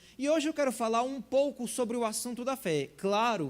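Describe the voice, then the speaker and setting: On a very clean recording with a silent background, a man with a northeastern Brazilian accent speaks at an extremely high pitch with ordinary pitch variation. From Ceará, Brazilian Northeast. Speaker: preacher. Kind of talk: sermon. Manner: deliberately slowed pace.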